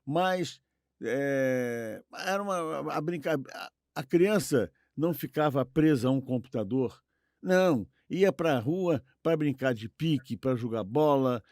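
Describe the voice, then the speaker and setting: A man's voice: medium pitch, animated, takes it slowly, darkish tone, dry recording, studio quality. An older man with a Brazilian accent, chatting casually and nostalgically as a co-host, rambling and repeating himself for emphasis. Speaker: podcast co-host.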